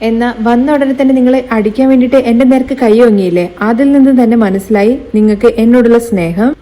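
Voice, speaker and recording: A woman reading a teasing, sharp-tongued young wife's lines in her own voice, retelling a TV serial. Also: a little high, quick pace, close to an everyday voice. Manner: teasing, scolding.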